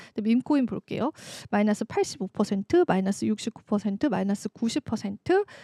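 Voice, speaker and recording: Her voice has a dark, mellow tone, with a dry, close sound and no echo. The woman speaks very fast with lively intonation. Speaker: crypto market show host. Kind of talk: market news briefing.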